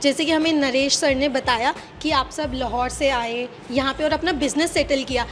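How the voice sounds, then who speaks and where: High-voiced bubbly young woman host. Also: steady tone, moderate pace, faint music behind. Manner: bubbly, eager, full of affirmations. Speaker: host of a food show. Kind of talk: on-camera interview.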